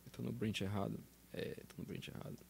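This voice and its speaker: A man's voice: lowish voice, fairly quick, creaky, darkish tone, a little hiss or hum. Brazilian man giving a technical talk. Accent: Brazilian Portuguese. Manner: explanatory, frequent "tá?" check-ins and restarts. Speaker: conference speaker. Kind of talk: technical talk with live demo. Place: conference auditorium stage. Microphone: handheld then podium microphone.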